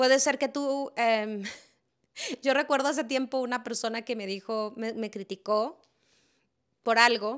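Against a quiet background, the speaker uses a Mexican accent, fairly even intonation and a fairly slow pace with long, frequent pauses. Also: woman, high pitch for a woman. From Mexico, Zacatecas. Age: 40s. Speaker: spiritual coach and tarot video creator; spiritual coach, tarot video creator. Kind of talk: motivational talk to camera. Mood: earnest, calmly persuasive. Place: home room. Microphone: lapel.

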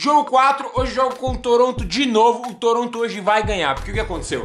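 Faint music sits in the background as a man speaks. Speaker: gaming youtuber. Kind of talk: casual vlog chat then game commentary. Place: home room. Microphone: phone near.

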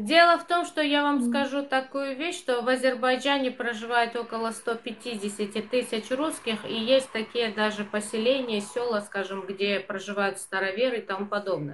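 Light background noise runs under a woman's voice. She keeps a moderate pace with hardly any pauses and ordinary pitch variation. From Ukraine. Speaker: live stream host. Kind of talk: live call-in debate. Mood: calm, serious. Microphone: earbuds.

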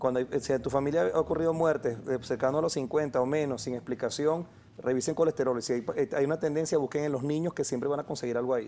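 Over light background noise, a man talks at a very fast pace with hardly any pauses, his voice fairly high in pitch with a dark, mellow tone and ordinary pitch variation. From Venezuela, Trujillo state (Andes). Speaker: cardiologist; guest. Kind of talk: TV health interview. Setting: TV studio. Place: studio. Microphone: lapel.

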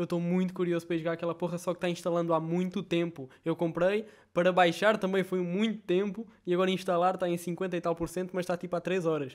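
A man talks at a very fast pace in a high voice with hardly any pauses, against a quiet background. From Portugal. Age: 20s. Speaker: youtuber reacting to videos. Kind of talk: casual reaction commentary. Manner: animated.

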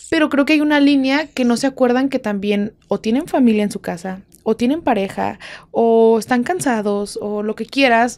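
High female voice over a quiet background. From Mexico, Guadalajara; Jalisco, Mexico. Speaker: YouTube host. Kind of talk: interview. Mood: warm, relaxed. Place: studio. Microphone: studio mic.

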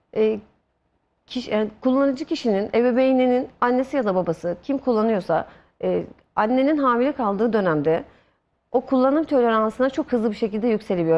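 A woman speaks in a fairly high voice, her pitch swinging very widely. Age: 40s. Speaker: former addict turned addiction counselor; TV guest. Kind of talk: TV interview, personal testimony. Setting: TV studio. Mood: earnest personal storytelling. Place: studio.

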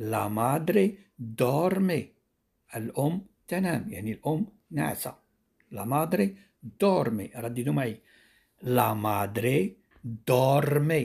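Very slow and somewhat breathy, a man's medium-pitched voice moves through very wide pitch swings with long, frequent pauses. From Morocco, Beni Mellal. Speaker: language teacher. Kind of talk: tutorial. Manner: slow, repetitive drilling.

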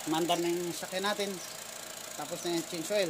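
A man speaks against noticeable background noise. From Philippines. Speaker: mechanic vlogger. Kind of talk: tutorial. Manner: casual, halting. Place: garden. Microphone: phone near.

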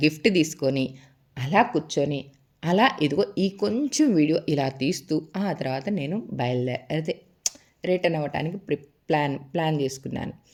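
A woman speaks with a very deep, low pitch. Her tone is animated and her intonation lively. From Andhra Pradesh, Chirala area. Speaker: vlogger and beautician. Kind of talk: vlog narration. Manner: chatty, animated.

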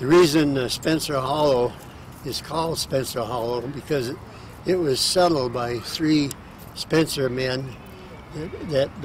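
The speech goes at a very slow pace amid noticeable background noise. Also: man. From Springfield, Vermont. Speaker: local historian and restoration volunteer. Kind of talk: guided tour.

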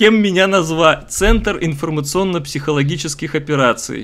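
A man at a moderate pace, high-pitched, with ordinary pitch variation. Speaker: chat roulette streamer. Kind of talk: casual debate in video chat roulette. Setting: video call. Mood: amused, incredulous. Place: home room.

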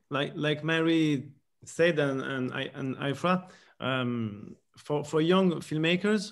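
In a French accent, a man speaks at a very slow pace with ordinary pitch variation against a quiet background. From France. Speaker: short film director. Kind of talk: interview answer. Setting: video call. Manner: halting. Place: home room. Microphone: video call.

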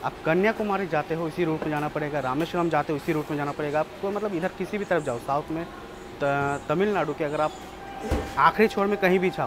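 A man at a moderate pace with ordinary pitch variation, music in the background. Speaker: travel vlogger. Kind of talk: casual vlog chat. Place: train. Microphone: phone near.

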